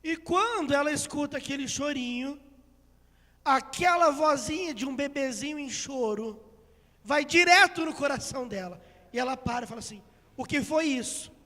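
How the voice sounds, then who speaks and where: A man from Brazil preaching a sermon, retelling a story dramatically with acted quotes and swells to shouts. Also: very high-pitched, moderate pace. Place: church sanctuary. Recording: long hall reverb.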